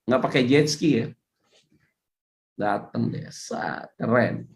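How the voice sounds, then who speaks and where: A woman's voice: rumbling low, slow. Chatty woman pastor preaching. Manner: chatty, joking asides, animated. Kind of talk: casual sermon.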